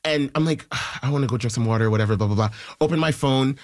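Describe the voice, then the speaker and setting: A man from Haiti, a musician guest, telling stories in an excitable, animated way and jumping into high quoted voices. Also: quick pace, no echo, clean studio sound. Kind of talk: casual interview storytelling.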